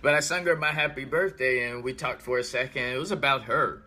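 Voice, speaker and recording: An American man in his thirties chatting casually on a livestream, thinking out loud and telling stories with animated, emphatic repetition. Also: mid-range voice, brisk. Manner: animated storytelling, repeats himself for emphasis. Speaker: vlogger. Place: small room indoors.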